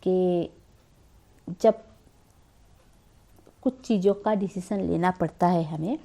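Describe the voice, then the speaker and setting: A woman's voice: on the low side, slow pace, creaky, dark tone. A woman hosting her own spiritual channel, giving a casual talk to the camera and asking rhetorical questions. She is a little unwell. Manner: conversational, asks rhetorical questions. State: slightly unwell, coughing.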